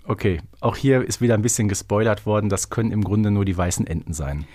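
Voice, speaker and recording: A man's voice: on the low side, quick pace, a little mellow, dry recording, clean studio sound. A man co-hosting a podcast, chatting casually through a quiz game. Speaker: podcast host playing a quiz. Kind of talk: casual chat.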